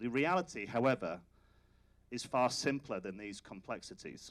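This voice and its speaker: This man has an English accent. He talks at a moderate pace. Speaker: public commenter. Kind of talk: public testimony. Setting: council public hearing.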